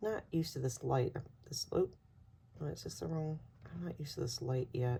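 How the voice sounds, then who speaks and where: Mumbling at a moderate pace, a woman with a very deep, low pitch speaks in a dark, mellow, somewhat breathy tone with lively intonation. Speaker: crafting YouTuber. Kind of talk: casual book and thrift flip-through. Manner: mumbling and rambling.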